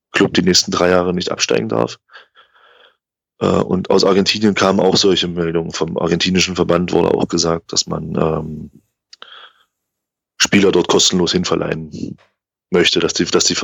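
A man co-hosting a casual fan podcast, talking thoughtfully and haltingly with repeated words. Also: low voice, vocal fry, fairly bright tone, husky, no echo. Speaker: podcast co-host. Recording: dry, slightly dull sound.

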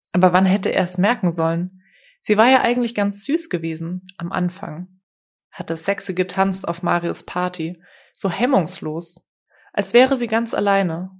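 A woman narrating a novel as an audiobook, reading in a steady, measured way. Her voice sits a little lower than most women's. The delivery is smooth and even. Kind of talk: scripted narration.

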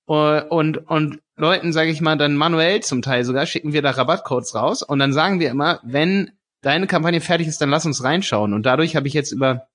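A man's voice: medium pitch, fairly bright tone. A man co-hosts a casual podcast, explaining things with eager energy. He often stops on fillers and restarts before pushing on with his point. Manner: explaining, enthusiastic, hesitant fillers. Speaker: podcast co-host, ads course seller.

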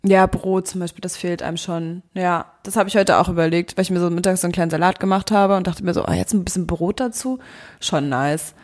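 A young woman, co-hosting a podcast, talking in a chatty, colloquial way with quick asides. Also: on the low side, fairly even intonation, darkish tone. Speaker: podcast co-host. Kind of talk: casual chat.

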